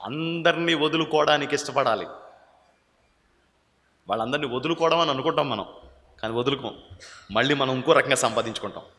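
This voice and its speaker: A male pastor with a Telugu accent, preaching a sermon and calling out questions to his congregation, pressing them to answer loudly. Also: mid-range voice, brisk, long pauses. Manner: calls out questions to the congregation, urging loud answers. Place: church hall. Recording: echoey hall with long reverb.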